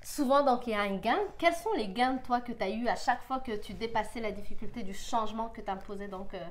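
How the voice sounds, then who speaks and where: A woman hosting a casual interview, agreeing warmly with her guest and asking long, rambling questions. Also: on the high side, fast, a little hiss or hum. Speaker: host.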